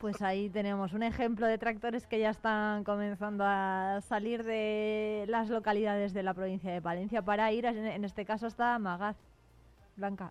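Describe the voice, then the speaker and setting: A woman at medium pitch in a monotone, flat intonation. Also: moderate pace, quiet background. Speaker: radio host. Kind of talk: live radio news and interviews.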